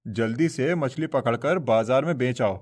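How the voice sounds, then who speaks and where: A man's voice: medium pitch, normal speed, a little mellow, close to an everyday voice. A man voicing a stern older village boss in a cartoon, talking in a bossy, scolding way. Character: stern older male fish-pond boss. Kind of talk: Hindi cartoon voice acting.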